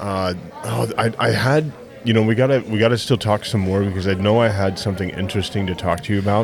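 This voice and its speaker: A man with an American accent, fairly low pitch, ordinary pitch variation and a very fast pace, with audible room echo and noticeable background noise. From Montana. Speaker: podcast co-host, Army veteran. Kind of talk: casual chat.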